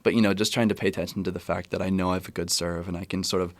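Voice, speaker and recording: Young man, American accent, very low pitch, quick rambling delivery, casual interview guest, self-correcting. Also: flat delivery, no room sound. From California, USA. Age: young adult, about 20. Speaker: college tennis player, interview guest.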